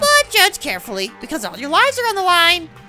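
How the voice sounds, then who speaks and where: A woman uses a put-on character voice at an extremely high pitch, racing along at a very fast pace. Her pitch swings very widely over faint background music. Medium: game stream. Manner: gleeful, theatrical.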